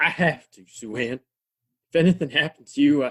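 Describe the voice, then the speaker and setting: A man does a raspy, put-on character voice at a fairly high pitch and a fairly quick pace. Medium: audio drama.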